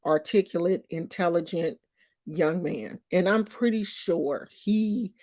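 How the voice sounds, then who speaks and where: Woman, 50s, slow unhurried delivery, emphatic, streetwise, casual vlog commentary. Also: lowish voice, a little mellow. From Oakland, California. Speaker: vlogger.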